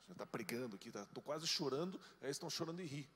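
A man preaching a sermon as pastor, telling stories with lively delivery and jumping into high voices to quote people. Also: fast. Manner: animated storytelling, jumps into high-pitched voices for quoted people. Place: church hall. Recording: long hall reverb.

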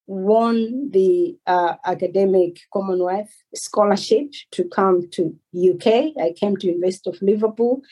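A Malawian woman in her forties, a doctor answering interview questions in a measured, earnest way. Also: mid-range voice, mellow, breathy edge, poor audio. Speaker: guest, consultant doctor.

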